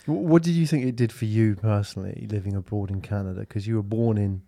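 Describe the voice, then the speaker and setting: A man's voice: lowish voice, fast, mellow, no echo. A man hosting a podcast interview, asking casual, probing questions. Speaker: podcast host. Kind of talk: conversational interview.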